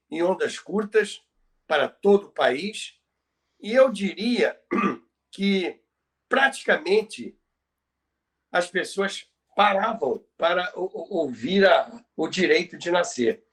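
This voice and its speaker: Brazilian male co-host, high-pitched, conversational storyteller with halting, repetitive phrasing. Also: big pitch swings, fairly bright tone. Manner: halting, repeats words for emphasis. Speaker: podcast co-host. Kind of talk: conversational storytelling about radio history.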